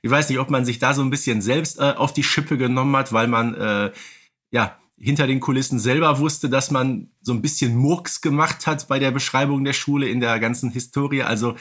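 Male podcast co-host, medium pitch, casual and wryly humorous. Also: brisk, fairly bright tone. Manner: humorous, tongue-in-cheek.

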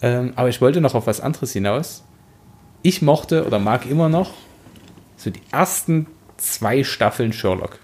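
Man, podcast co-host, average pitch, casual conversational delivery. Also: lively intonation, moderate pace, a little mellow. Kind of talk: casual chat.

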